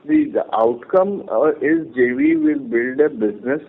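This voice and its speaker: A man, a company executive, explains his company's plans to analysts on an earnings call in a measured way with restarts. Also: high voice, wildly swooping pitch, gravelly. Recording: tinny phone line.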